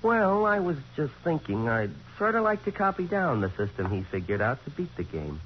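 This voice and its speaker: Eager american reporter sidekick, old radio play, slangy n breezy, bouncy pitch, muffled hissy sound. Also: male voice, sing-song, moderate pace. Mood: eager, sheepish. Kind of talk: 1940s radio drama acting. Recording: muffled, noisy 1940s radio recording.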